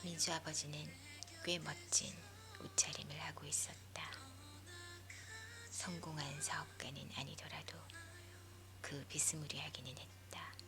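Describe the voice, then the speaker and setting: A woman leaning in to whisper a story for sleep in a hushed, breathy ASMR narration. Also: low-pitched, level tone, measured pace, pauses often. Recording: music behind the voice. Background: music.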